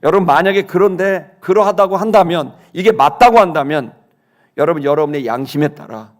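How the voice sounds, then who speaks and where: A man in his fifties preaching a sermon, telling a personal story with indignation, swinging between hushed and loud. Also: on the high side, animated, brisk. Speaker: pastor. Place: church sanctuary.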